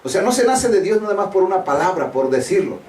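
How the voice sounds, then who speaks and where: A man's voice: high-pitched, sing-song, fast talker, darkish tone. Preaching man in an echoey room. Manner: earnest, direct, rising emphatic questions to listeners. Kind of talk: sermon. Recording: echoey room, voice from far off the mic.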